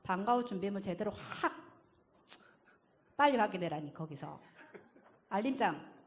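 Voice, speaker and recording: A woman's voice: medium pitch, lively intonation. A woman voicing a nagging father who scolds his young son nonstop in Gyeongsang dialect. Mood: scolding. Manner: rapid scolding, nonstop orders.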